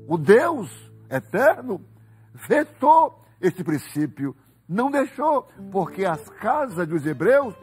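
A middle-aged man delivers a fervent, emphatic devotional sermon with dramatic pauses and repetition. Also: sits high. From Brazil. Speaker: evangelist preacher. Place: TV studio set like a living room. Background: soft guitar music.

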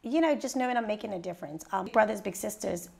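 A woman from Bermuda talks in a sit-down interview with a gravelly edge to her mid-range voice. She tells her stories with lively swings upward when she gets excited, recorded on a lapel mic in a living room. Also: fast talker. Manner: lively storyteller, rises high when excited. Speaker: interview guest, radio personality and youth mentor. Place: living room set indoors.

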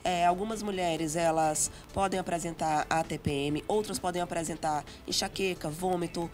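A young woman with a Brazilian Portuguese accent, a gynecologist guest on a TV show, explaining medical terms clearly on a studio set. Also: on the low side, fairly even intonation, moderate pace, a little mellow, faint music behind. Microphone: handheld mic.

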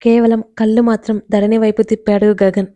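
A woman narrating a romance story with an even, measured reading. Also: fairly high pitch, no room sound.

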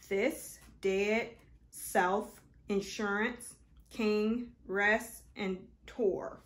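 A woman in her thirties with an African American accent, giving an informal explainer and reading examples from a book in a thoughtful, halting way. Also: mid-range voice, a little mellow. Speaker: presenter of an educational video. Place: small indoor room, seated before a wall.

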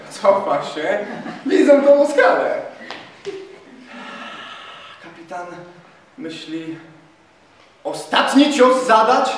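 Male actor, dramatic epic-verse recitation, slow and expressive, distant mic, heavy room echo. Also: high-pitched. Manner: theatrical, with sudden swells and drops in loudness. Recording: echoey room, mic far off.

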